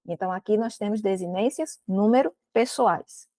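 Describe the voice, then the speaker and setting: A woman's voice: medium pitch, normal speed, a little mellow, no room sound. A woman teacher with a Brazilian Portuguese accent, giving a recorded grammar lesson and explaining step by step, often checking with "né?" and "ok?".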